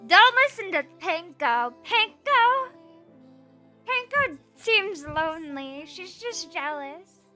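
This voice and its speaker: A woman's voice: very high-pitched, sing-song, slow pace. A woman streamer chatting casually and playfully, rambling as she reads out her chat and teases viewers. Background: soft background music.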